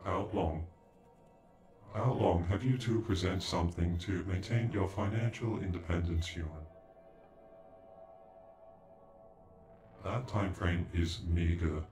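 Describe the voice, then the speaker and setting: Man voicing a very deep, proud android. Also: unhurried, darkish tone. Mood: calm, analytical. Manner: stilted, formal, stuttering on glitched words. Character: proud, cold, sentient male android, indignant and formal. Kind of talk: ASMR roleplay acting. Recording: echoey, with background music.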